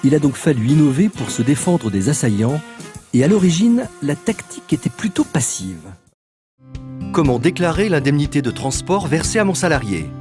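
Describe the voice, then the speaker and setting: A man's voice: a little high, very animated, moderate pace, a little mellow. A man reading scripted narration and advertising copy as a voice-over artist. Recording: music bed behind the voice. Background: music.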